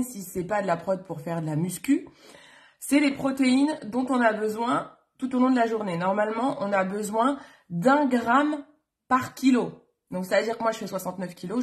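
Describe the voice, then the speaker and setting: A woman chatting casually on a live stream while doing her makeup, rambling with many fillers and self-corrections. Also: mid-range voice. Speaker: beauty vlogger on a live stream.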